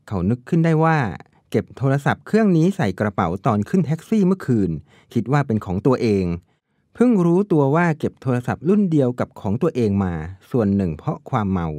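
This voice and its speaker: Guy reading an audiobook, really lively intonation, dry close mic. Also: mid-range voice, no echo. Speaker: narrator. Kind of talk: audiobook narration of a novel.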